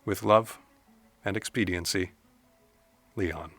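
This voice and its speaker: An actor playing a dead man's trapped, anguished spirit who reads a letter in measured, formal diction in an audio drama. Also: sits low, fairly bright tone, exaggerated voice. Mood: solemn, resigned. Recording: music under the voice.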